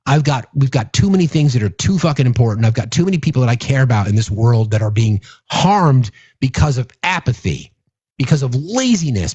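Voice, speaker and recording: A man's voice: medium pitch, husky, dry recording, dull audio. A middle-aged man hosting a political commentary show, ranting bluntly and profanely with many restarts. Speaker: host.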